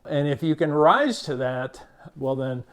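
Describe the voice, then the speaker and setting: Measured older man with a Cuban-American accent. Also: a little high, animated. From Cuba, raised in Miami. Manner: measured, unhurried, with many "uh" fillers and small restarts. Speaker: behavior expert, channel host. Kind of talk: reflective talk to camera.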